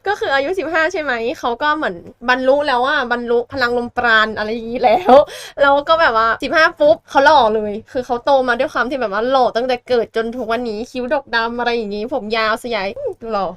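Fast, high-voiced woman telling a story. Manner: animated, slangy, blunt storytelling. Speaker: podcast co-host retelling a novel. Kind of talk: casual chat.

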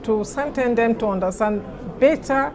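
A middle-aged woman with a Cameroonian accent answers interview questions haltingly, searching for words. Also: a little high, a crowd in the background. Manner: halting, searching for words in non-native English. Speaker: interviewee, NGO president. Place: large indoor conference venue lobby.

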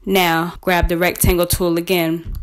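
Even, clear woman narrating a tutorial. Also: lowish voice, unhurried. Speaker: tutorial presenter. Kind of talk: scripted step-by-step software tutorial narration.

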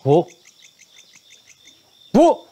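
A man's voice: very slow, mellow. An actor playing a stern man in charge who gives curt orders, in a television drama. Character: stern man in charge, caring for a sick child.

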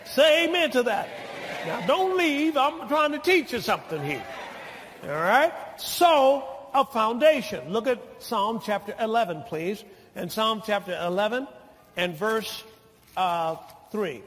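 An older man preaching a sermon as pastor, teaching slowly and deliberately, then building to shouted lines and calls for amen. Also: sits high, big pitch swings, a little hiss or hum. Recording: long hall reverb of a church.

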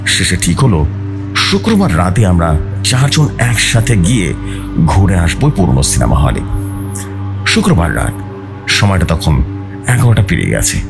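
Deep-voiced man, dramatic horror storyteller. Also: big pitch swings, normal speed, creaky, pauses often. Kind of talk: dramatic scripted horror narration, read aloud. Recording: music bed behind the voice.

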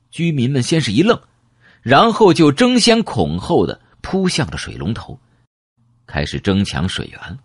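A man's voice: fairly low pitch, dry recording. A man reading a novel aloud in dramatic first person, telling the story vividly and expressively into a close mic. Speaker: audiobook narrator.

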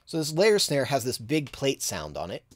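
A man's voice: mid-range voice, normal speed, over music. A man in his thirties giving a casual tutorial on mixing from a home studio, thinking aloud as he works. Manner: relaxed, thinking aloud with fillers. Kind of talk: casual screen-share tutorial.

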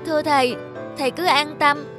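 A woman's voice: high voice, steady tone, moderate pace, music in the background, lightly acted. A woman voicing an earnest, polite young schoolboy in a cartoon, speaking respectfully and eager to please. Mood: earnest, wistful. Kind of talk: cartoon voice acting.

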